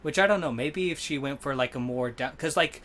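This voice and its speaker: Male podcast co-host, a touch high-pitched, rambling and opinionated, casual. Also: brisk, fairly bright tone. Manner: rambling, self-correcting, opinionated.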